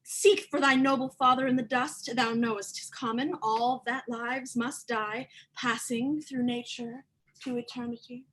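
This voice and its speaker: A woman playing a gentle, pleading middle-aged queen and mother in a livestreamed Shakespeare reading, in measured formal verse. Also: fairly high pitch, fairly even intonation, poor audio. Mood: gently chiding.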